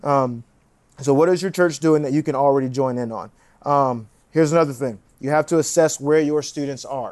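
Against a quiet background, a man with an American accent speaks at a fairly quick pace and fairly high pitch. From Georgia, US South. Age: 20s. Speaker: youth pastor. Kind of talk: conference talk. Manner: animated.

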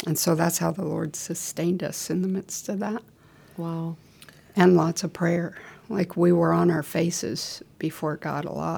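With vocal fry and a dark, mellow tone, a woman speaks slowly in a fairly low pitch with fairly even intonation. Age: 60s. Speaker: missionary. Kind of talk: casual chat.

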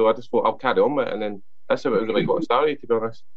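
A man talks with a Fife accent. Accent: Fife Scottish. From Scotland. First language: Scots. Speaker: writer. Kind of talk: casual radio interview.

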